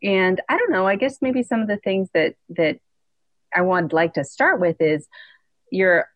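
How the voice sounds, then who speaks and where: A woman's voice: medium pitch, measured pace, no room sound, dull audio. A woman hosting a podcast interview, talking in a rambling way with lots of fillers and restarts. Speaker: podcast host. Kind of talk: casual interview talk.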